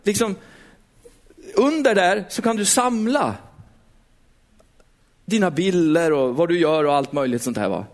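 A middle-aged man preaching a sermon in a church, lively, putting questions straight to the congregation. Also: sits high, pauses often.

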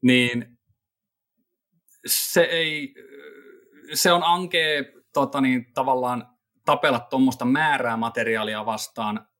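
A man talking casually on a podcast, relaxed and a bit rambling. He fills his sentences with little hesitations and drifts from point to point in an easy, conversational way. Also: medium pitch, long pauses. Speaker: podcast co-host living in Japan. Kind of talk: casual chat.

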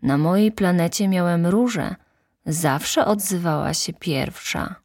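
A woman voicing the Little Prince, a gentle and lonely young boy, in an earnest, wondering storybook reading. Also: fairly low pitch, slow, no room sound, clean studio sound.

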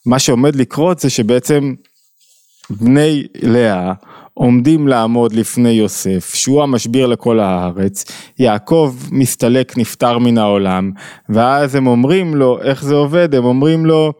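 Man, Torah lesson, mid-pitched voice, animated, dry close sound. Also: smooth, dry recording. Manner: animated, acts out quoted dialogue with rising pitch. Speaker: teacher.

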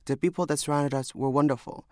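A young man from Somalia reads a scripted first-person memoir in a measured, reflective way. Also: a little high, fairly even intonation, no room sound, studio quality. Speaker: storyteller.

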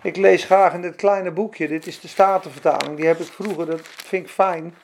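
Male preacher with a high, rough-edged voice; fervent, chatty sermon delivery. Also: fairly even intonation, moderate pace, noisy background. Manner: fervent, conversational storytelling with asides.

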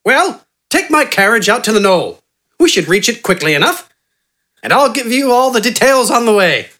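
A narrator voicing an eccentric, pompous male doctor who is manic and jovial and speaks in a grand, excitable way. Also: mid-range voice, moderate pace, pitched above the performer's own voice. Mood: jubilant. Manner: pompous, excitable, keeps saying "old boy".

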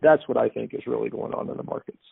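A man talks through markets off the cuff with emphatic, opinionated phrasing. His voice is fairly low and gravelly, and it comes over a narrow phone-like line. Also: quick pace, no room sound. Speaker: market commentator. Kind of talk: unscripted financial commentary.

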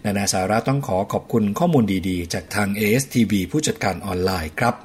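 A man's voice: on the low side, expressive, fairly quick, slightly rough. A man presenting a scripted radio segment, polite and instructive, speaking straight to his listeners.

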